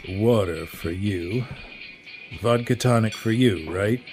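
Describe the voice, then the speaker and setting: An actor playing a gruff, no-nonsense bartender in an audio drama. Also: male voice, on the low side, takes it slowly, a little mellow, faint music behind. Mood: firm.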